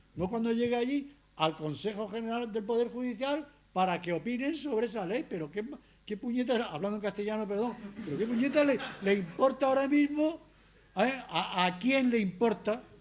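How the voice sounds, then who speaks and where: A man's extremely high voice with lively intonation, over noticeable background noise. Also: moderate pace. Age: 70s. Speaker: law professor. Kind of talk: lecture. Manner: animated.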